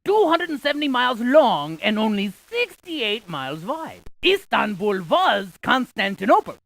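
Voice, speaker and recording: A woman's voice: fairly high pitch, sing-song, moderate pace, gravelly, no echo, full character voice. A woman playing a quirky, chatty scientist in an educational game, delivering facts with theatrical emphasis and wordplay. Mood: chatty, informative. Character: quirky, chatty female scientist spouting geography trivia. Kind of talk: animated educational game character lines.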